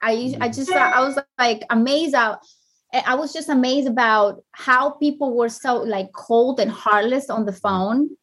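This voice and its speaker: A woman from Colombia with a Colombian accent, a business owner telling her story as a guest in a casual interview, animated and fond of "like". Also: on the high side, unhurried, breathy edge. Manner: animated storyteller, acts out phone calls, frequent "like".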